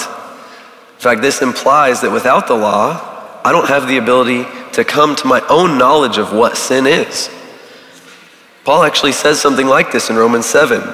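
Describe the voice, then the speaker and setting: A man teaches a church recovery group in a casual, halting way, full of ums and uhs, his voice going hoarse. His voice rings through a large hall with a long, roomy reverb. He sits at an ordinary middle pitch. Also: sharp tone. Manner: casual, halting, many fillers. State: losing his voice.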